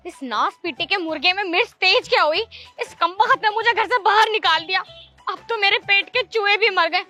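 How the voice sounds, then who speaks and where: A woman playing a scheming, sharp-tongued village wife in a comedy skit. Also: extremely high pitch, moderate pace, soft background music. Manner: sly, mocking.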